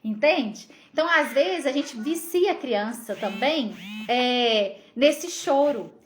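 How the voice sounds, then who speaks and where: A Brazilian woman in her thirties teaches parents as a psychologist. Her voice sits high, and she explains patiently, often turning to listeners with a quick question to check they follow. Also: animated, a little hiss or hum. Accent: Brazilian Portuguese. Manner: explanatory, frequent tag questions to viewers. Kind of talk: live parenting lesson.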